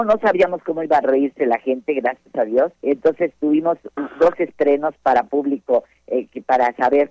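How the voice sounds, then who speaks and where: A Mexican woman, a stage actress, chatting in an interview, effusive and full of repeated words and quick "no, no, no" asides. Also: deep voice, no echo, muffled recording. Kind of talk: casual interview chat.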